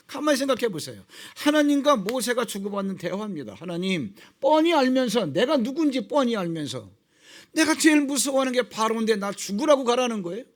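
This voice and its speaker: A middle-aged pastor delivers a sermon, acting out dialogues and suddenly dropping into low, quiet tones.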